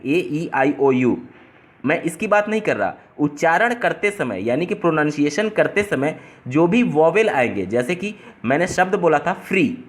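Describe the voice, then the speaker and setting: Guy going thru an exam paper, voice a bit high, breaks every term down slow. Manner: explains step by step, restating terms in simpler words. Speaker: exam tutor.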